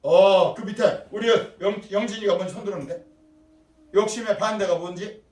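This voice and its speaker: An older man preaching as pastor, lively, quizzing the children and calling on them by name. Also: high voice, moderate pace. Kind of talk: sermon. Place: church sanctuary. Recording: echoey room from far off.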